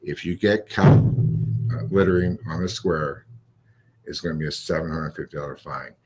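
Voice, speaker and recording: A man speaking as a police chief in a radio interview, halting and repetitive, with emphatic statements. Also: rumbling low, a little mellow, faint music behind.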